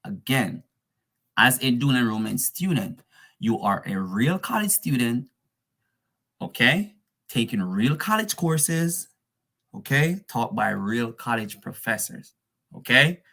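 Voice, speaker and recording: A man speaks to students in a relaxed, conversational presenter's style, often calling them "guys" and repeating his key points. His pitch sits in an ordinary middle range. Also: slow pace, gravelly, long pauses. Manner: casual, addresses listeners as "guys", fillers and restarts. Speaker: dual enrollment presenter. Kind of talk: informational presentation.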